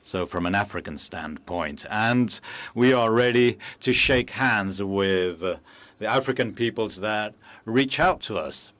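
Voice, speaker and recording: A man working as a simultaneous interpreter for a formal speech, measured and halting with frequent pauses and fillers, into a booth microphone. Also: lowish voice, fairly bright tone. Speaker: conference interpreter.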